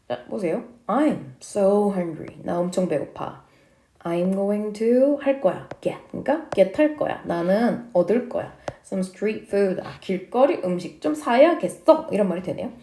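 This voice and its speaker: Woman teaching English, lively voice. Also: medium pitch, roomy sound, slight background noise. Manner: reads English lines slowly, explains each in Korean. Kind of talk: English lesson, reading and translating dialogues.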